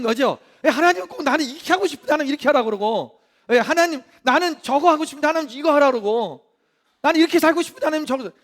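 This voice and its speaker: Very high-voiced male pastor preaching. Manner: lively, asks the congregation questions and acts out quotes. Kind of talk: sermon. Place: church.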